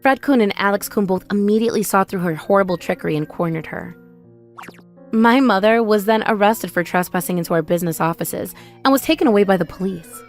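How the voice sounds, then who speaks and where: A woman's voice: mid-range voice, fairly quick. A woman giving dramatic first-person scripted narration as a story's narrator. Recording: voice over background music.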